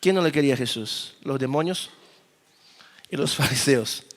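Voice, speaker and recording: A man preaching a conference sermon as pastor, with dramatic pauses and moments of acting out dialogue. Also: medium pitch. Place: church auditorium. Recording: long reverb of a church hall.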